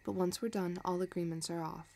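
A woman playing a possessive, scheming villain in a romantic audio roleplay, talking in a soft, teasing, calculating way. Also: on the low side, steady tone, fairly quick, creaky. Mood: intimate, possessive. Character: possessive, scheming female villain obsessed with her crush.

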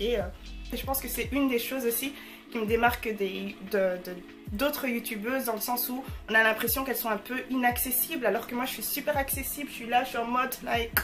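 A bubbly woman in her early twenties vlogging casually to her viewers. Her voice sits a little high and rings bright and forceful. She chats loosely, full of slangy fillers, over faint background music. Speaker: YouTuber answering viewer messages. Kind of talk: casual chat to camera.

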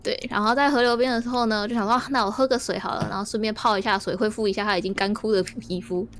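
A woman, a streamer improvising a story in a board game, giggly and animated. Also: mid-range voice, fast, slight background noise.

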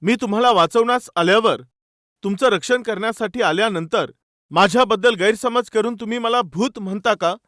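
A man's voice: high voice, moderate pace, fairly bright tone, dry recording, clean studio sound. A man voicing a grown male savior who asks reproachful questions.

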